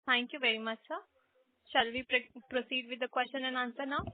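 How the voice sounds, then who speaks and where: Female conference operator, high voice, courteous scripted delivery, tinny telephone audio. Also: steady tone, a little fast, no room sound. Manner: formal, polite. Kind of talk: scripted call moderation. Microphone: telephone conference line. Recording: dry tinny phone line.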